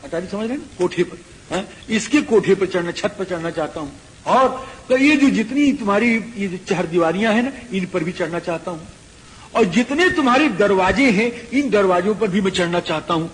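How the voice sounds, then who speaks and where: A man giving a devotional scripture discourse, chanting verses and then explaining them in a lively, rhetorical way. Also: high-pitched, normal speed. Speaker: scripture reciter. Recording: long hall reverb, faint background noise.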